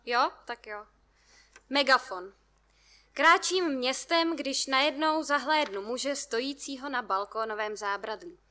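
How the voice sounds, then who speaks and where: A woman reads her short story aloud at a workshop showcase, loud and half shouting. Her voice is high and very bright. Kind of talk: live story reading.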